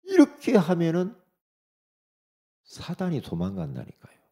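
A middle-aged man preaches to his congregation with a gravelly, dark tone. His pitch moves a great deal, and he shifts from quiet asides to loud, pressing exhortation. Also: a little slow. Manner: animated, swings between soft asides and loud exhortation. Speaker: pastor. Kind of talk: sermon.

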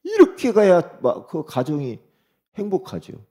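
A middle-aged male pastor preaching a sermon, swinging between soft asides and loud exhortation. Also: sits high, huge pitch swings, measured pace.

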